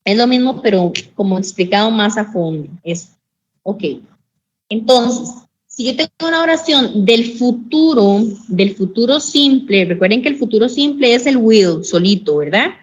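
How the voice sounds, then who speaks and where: A woman teaching an English grammar lesson in an online class, patiently repeating examples and saying English phrases slowly and carefully. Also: a little high. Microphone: computer mic on a video call. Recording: dull lo-fi call audio, faint noise.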